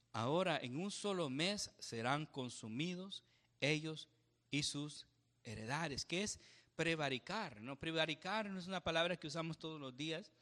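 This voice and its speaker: A man's voice: fairly high pitch, bright, forceful tone, big-room sound. A man giving a conversational Bible study sermon, often checking in with the congregation and laughing at his own slips. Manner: conversational, asks the congregation questions with frequent tag "¿verdad?". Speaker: pastor.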